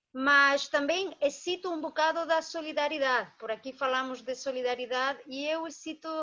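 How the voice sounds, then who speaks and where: Projecting a raised voice with a bright, sharp tone and high pitch, a woman with a Spanish accent speaks at a moderate pace in fairly even intonation, with hardly any pauses. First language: Spanish (speaking Portuguese). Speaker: artist. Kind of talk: online debate.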